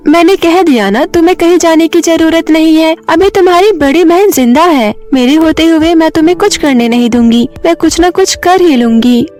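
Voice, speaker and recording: A woman's voice: very high-pitched, moderate pace, few pauses, a little mellow, soft background music, pitched above the performer's own voice. A woman voicing a firm, caring young elder sister in a cartoon story.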